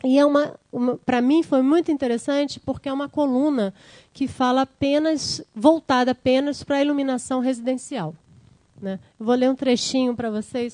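A woman's voice: high voice, darkish tone, no echo. A woman giving an academic lecture, explaining slides and checking in with the audience. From Brazil. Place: lecture room.

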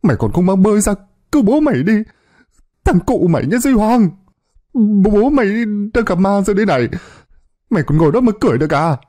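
A man voicing a terrified young man who shouts and stammers curses for help. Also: high-pitched, big pitch swings, brisk, pitched above the performer's own voice. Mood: panicked yelling. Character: terrified young man swimming, cursing and screaming.

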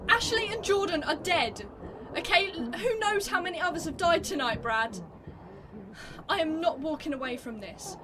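An outspoken young female student played by a woman in an audio drama. Her high voice is firm and scolding, against clear background noise. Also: lively intonation, moderate pace. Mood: insistent. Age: young adult. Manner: insistent, scolding. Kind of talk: amateur audio drama acting. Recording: noisy background ambience.

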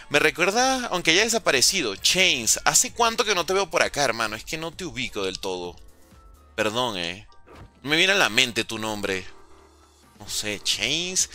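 A man's voice: a little high, bright, forceful tone. A young man streaming a zombie game, chatting casually with his viewers, joking and humming little tunes. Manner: chatty, jokey, hums and sings little tunes. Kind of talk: live gameplay commentary reading chat.

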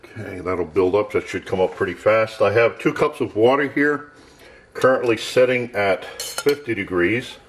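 Man, low voice, matter-of-fact, home workshop, off-camera demo narration. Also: normal speed. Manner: plain, matter-of-fact, thinking aloud. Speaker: gear tester.

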